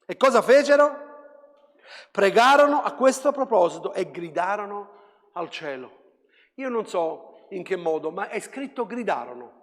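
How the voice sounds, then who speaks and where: High-voiced man preaching in a reverberant hall. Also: big pitch swings, unhurried. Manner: fervent preaching that swings between hushed and shouted. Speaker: pastor. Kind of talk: sermon. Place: church hall.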